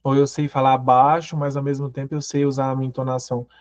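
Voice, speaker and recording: A man's voice: medium pitch, little pitch movement, fast talker, darkish tone, no room sound. A man giving a motivational growth talk, asking the audience question after question. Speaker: personal growth speaker. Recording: dull, muffled audio.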